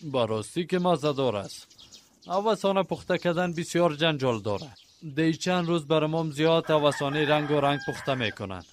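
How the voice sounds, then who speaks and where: An actor as a polite young villager in a radio play, with a slightly high voice. He is agreeable and attentive, with faint background noise. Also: animated, natural voice. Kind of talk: radio drama dialogue.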